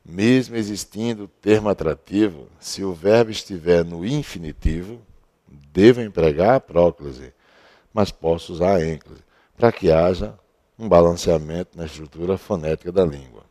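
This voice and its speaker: Low, dark-voiced teacher. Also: male voice, moderate pace. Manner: explains step by step, asks and answers his own questions. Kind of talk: recorded grammar lesson. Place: at a board he writes on and erases.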